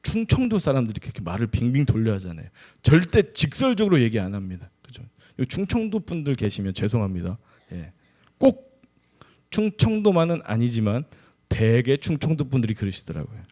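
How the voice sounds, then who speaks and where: A man's voice: mid-range voice, very animated, fairly quick, dark tone. A middle-aged man, an associate pastor, preaching a conversational sermon with humorous asides.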